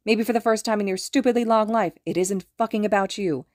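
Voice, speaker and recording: A woman voicing a furious, foul-mouthed woman in an audiobook story, snapping forcefully and emphatically. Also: mid-range voice, moderate pace, dry recording, clean studio sound, pitched above the performer's own voice, natural voice. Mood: furious, pleading.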